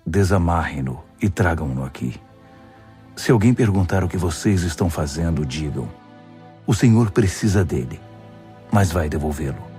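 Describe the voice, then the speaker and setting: Bible audiobook master, acted by a male reader: very low voice, calm authority, solemn and instructive. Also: moderate pace, faint music behind. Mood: calm command.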